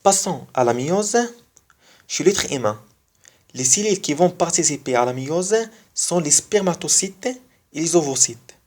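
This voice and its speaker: A speaker whose first language is not French, giving a biology lesson online and repeating key phrases slowly for emphasis. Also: mid-range voice, lively intonation, darkish tone. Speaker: biology video teacher.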